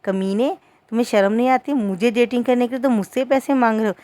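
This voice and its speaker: A woman's voice: on the high side, fast, dark tone, pitched above the performer's own voice, natural voice. A woman voicing a blunt young woman who mocks and scolds her friend. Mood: scolding. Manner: scolding, mocking insults.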